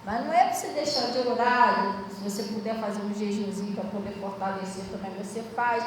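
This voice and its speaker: A woman's voice: medium pitch, fairly quick. A woman pastor with a Brazilian Portuguese accent preaching a sermon, talking casually and often asking the congregation whether they understand. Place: church hall. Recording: echoey hall, distant mic, room noise.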